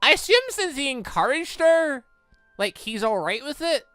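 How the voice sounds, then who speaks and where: Animated, bright-voiced game commentator. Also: high-pitched, moderate pace, dry recording, soft background music. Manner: animated, exclaiming, rambling asides. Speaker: gaming channel host. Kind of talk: casual playthrough commentary, reading visual novel dialogue aloud.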